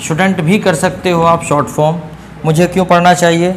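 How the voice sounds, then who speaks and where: A man teaching English grammar in Hindi, saying example sentences slowly and often asking his students if they follow. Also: a little high, little pitch movement, background noise. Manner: asks students checking questions. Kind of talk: classroom grammar lesson.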